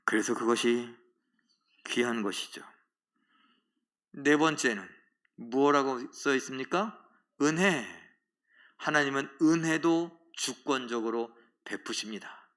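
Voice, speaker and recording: A man's voice: medium pitch, slow pace, long pauses, fairly bright tone. A man preaching a sermon as pastor at a Friday prayer service, asking the congregation rhetorical questions and acting out biblical characters in dialogue.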